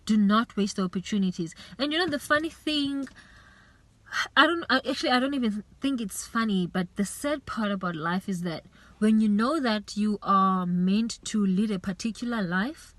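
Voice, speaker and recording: A woman's voice: mid-range voice, normal speed, no room sound. A woman giving an earnest, faith-based motivational talk as a vlogger, urging and repeating herself, with plenty of "you know".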